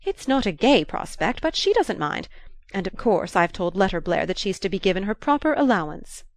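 A woman voicing a shrewd, commanding old grandmother who talks in a lively, imperious way. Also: mid-range voice, moderate pace, no room sound. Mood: indignant.

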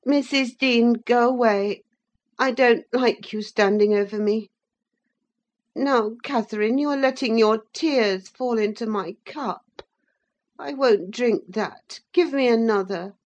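A woman's voice: a little high, slow, darkish tone, highs cut off, pitched above the performer's own voice. A woman putting on a sickly, whining boy. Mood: petulant. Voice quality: whiny and petulant.

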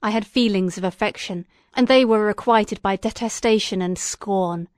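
A woman's voice: medium pitch, normal speed, darkish tone, dry recording, clean studio sound, natural voice. A woman voicing a bitter, vengeful male creature in an audiobook reading, speaking in a brooding, threatening way. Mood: menacing.

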